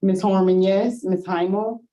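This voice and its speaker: A woman's voice: medium pitch, steady tone, a little slow, warm tone, rough recording. A woman calling the roll for a council vote, naming each member and then repeating the name with their vote.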